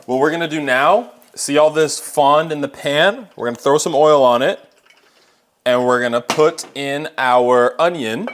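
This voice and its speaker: A man's voice: on the high side, unhurried, slight background noise. A man giving a casual, chatty cooking demonstration, explaining each step directly to viewers as a home cook. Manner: chatty, instructive, talking to viewers. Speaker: home cook presenting a recipe.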